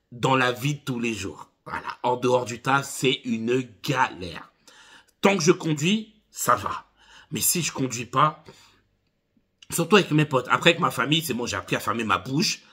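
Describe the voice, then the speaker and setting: This driving instructor, a man in his thirties, has a husky, medium-pitched voice. Speaking to camera, he shares lively, funny anecdotes in a relaxed way and keeps addressing his audience as "les gars."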